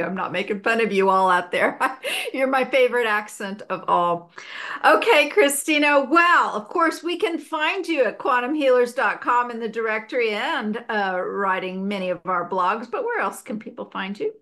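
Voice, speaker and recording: A woman's voice: medium pitch, fairly bright tone. A woman hosting a casual interview over a video call, chatty and enthusiastic, laughing often. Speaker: podcast host.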